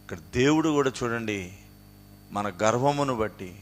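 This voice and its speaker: A man preaching a sermon in a Telugu accent. He repeats his rhetorical questions and scripture references, and he swings between low, quiet passages and raised, emphatic outbursts. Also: expressive, normal speed. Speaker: pastor.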